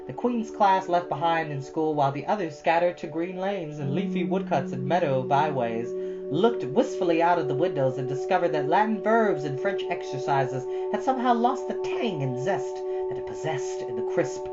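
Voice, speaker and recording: A woman's voice: deep voice, dull audio. A woman reading a children's book aloud as storyteller, with dramatic emphasis and informal, chatty asides.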